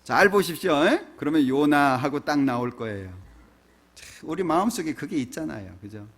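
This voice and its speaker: Male pastor preaching with lively pitch. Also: normal speed. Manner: conversational preaching with frequent rhetorical questions. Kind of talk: sermon. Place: church.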